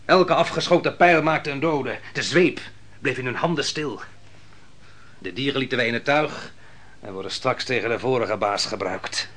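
An actor playing a restless, guarded commander of an ancient army in a radio play, terse, grave and formal. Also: male voice, medium pitch, moderate pace, a bit bright, slight background noise, close to an everyday voice. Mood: grimly proud. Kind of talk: Dutch radio play acting.

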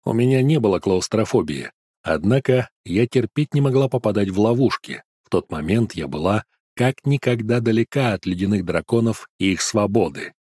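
Man, audiobook narrator, low voice, steady even reading, dry close recording. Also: moderate pace, breathy edge, dry recording. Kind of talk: scripted first-person fantasy narration.

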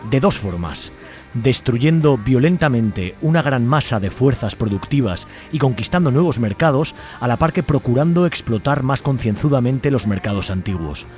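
A man's voice: mid-range voice, animated, moderate pace, a little mellow. Male radio presenter, Spain accent, mid-range voice, scripted editorial narration, music behind. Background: music under the voice.

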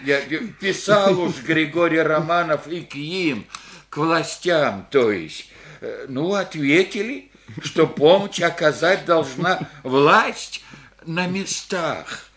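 An actor playing a humble elderly village grandfather, a war veteran, who speaks slowly and hesitantly in rustic speech. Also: on the high side, animated, a bit bright, heavily acted. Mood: resigned. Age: older. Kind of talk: radio play acting.

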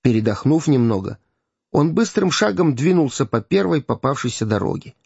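A man narrating an audiobook in an expressive storytelling manner. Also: medium pitch, moderate pace, vocal fry, husky, no echo. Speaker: audiobook reader. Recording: dull, dry lo-fi recording.

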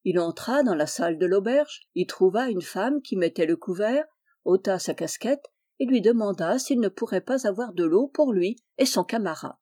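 A woman reading a classic novel aloud in calm, measured storytelling. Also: mid-range voice. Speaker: audiobook reader. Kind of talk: scripted narration.

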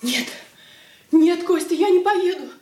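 An actress playing an emotional, pleading young poor relative in a radio drama. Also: female voice, very high-pitched, a little slow, darkish tone. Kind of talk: 1980s radio drama acting. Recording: roomy room.

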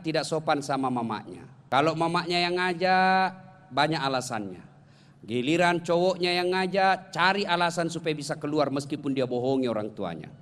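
Joking high-voiced male preacher, echoing hall. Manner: jokey, animated storytelling, addresses the audience directly. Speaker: Islamic preacher. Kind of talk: humorous sermon to a congregation. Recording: long hall reverb.

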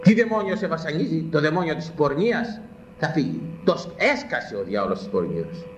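A man's voice: a little high, sing-song, a little hiss or hum. A man preaching a sermon, emphatic, firing repeated rhetorical questions at his listeners. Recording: echoey muffled room recording with faint ambience.

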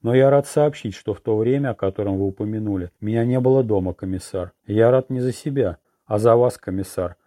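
A smug, sanctimonious male preacher who lectures self-righteously, as a male audiobook narrator puts him on. The tone is low and dark. It is recorded dry and close. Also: brisk, few pauses, no echo, lightly acted. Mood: pious.

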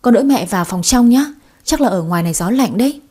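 A woman voicing an anxious young daughter, pleading in a higher voice. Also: expressive, quick pace, dark tone, husky. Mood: worried.

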